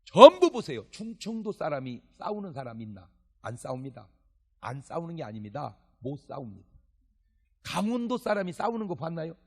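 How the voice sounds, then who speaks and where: A man's voice: fairly high pitch, normal speed, gravelly, slightly rough. A male pastor preaching a sermon at a church revival service, telling jokey stories and acting out dialogue. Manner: animated, joking storytelling with acted dialogue.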